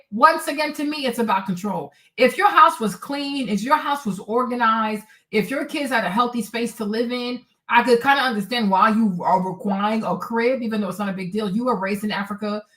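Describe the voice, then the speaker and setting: A woman's voice: fairly high pitch, fairly quick, hardly any pauses, fairly bright tone. Sassy, blunt woman commentator. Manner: blunt, sassy, addresses viewers as y'all. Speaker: commentary vlogger reacting to a clip. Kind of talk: casual reaction commentary.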